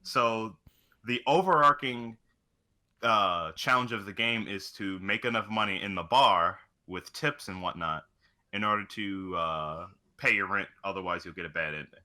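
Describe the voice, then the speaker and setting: A man's voice: fairly low pitch, normal speed, bright, forceful tone. A man talking casually about video games as a co-host, rambling along and swearing freely. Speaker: podcast co-host.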